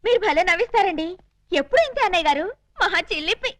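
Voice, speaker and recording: A melodramatic young prisoner. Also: female voice, very high-pitched, expressive, dry recording, studio quality. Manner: fast, pleading and melodramatic. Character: headstrong young woman prisoner in love. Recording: film soundtrack with loud music.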